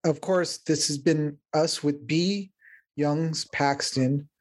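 A man's voice: fairly high pitch, takes it slowly. Podcast host, man, Mexican accent, loose and joking, casual chat delivery. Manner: relaxed, joking, loose trailing phrasing.

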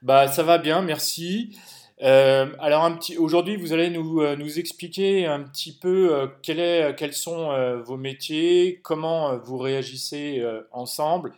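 A man's voice: on the high side, unhurried, a little mellow. A man hosting an interview, asking questions hesitantly with many fillers. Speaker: podcast host. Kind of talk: interviewing guests.

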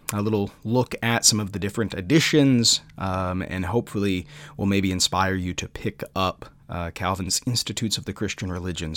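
A man hosting a podcast, talking casually and haltingly, with frequent pauses as he recommends books. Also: lowish voice, dry recording. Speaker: podcast host.

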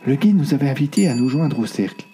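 A man narrating a novel in an expressive, dramatic storytelling manner. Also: medium pitch, fast, a little hiss or hum. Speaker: audiobook narrator. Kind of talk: scripted narration.

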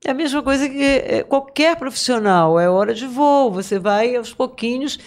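Female voice talent, warm-hearted lively storyteller, podcast guest. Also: sits high, moderate pace. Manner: lively storyteller, laughs often, animated. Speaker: guest voice-over artist. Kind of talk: casual podcast chat. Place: podcast studio.

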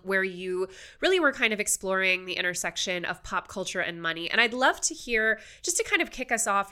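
A woman's voice: medium pitch, pushed and bright, clean tone. A woman hosting a chatty interview show, her nose blocked by a cold so she sounds nasal and hollow, talking in a casual, emphatic way. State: congested, stuffed-up nose from a cold. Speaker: host.

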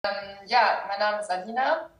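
A woman's voice: medium pitch, normal speed, fairly bright tone. Hesitant woman on a roomy distant line. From Germany. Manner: hesitant, explanatory, many fillers. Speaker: guest, shadow work practitioner. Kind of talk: casual interview talk.

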